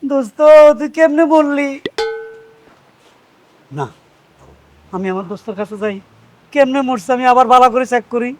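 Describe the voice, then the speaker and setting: An actor playing a simple-minded village husband who wails loudly over his dead friend. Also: very high-pitched, normal speed, long pauses. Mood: pleading. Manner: loud lamenting wails. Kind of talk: village comedy drama acting.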